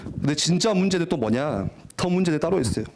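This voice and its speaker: A young man preaching a lively, jokey youth sermon in a church, often acting out teenagers' voices. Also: a little high, brisk, slight background noise. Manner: animated, jokey, acts out teen voices. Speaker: youth pastor. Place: church worship hall.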